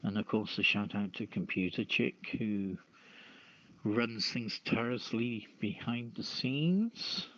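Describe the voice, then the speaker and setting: Male radio host, slow halting delivery, casual live show, dull lo-fi audio. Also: on the low side, a bit bright. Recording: dull, echoey online radio channel audio.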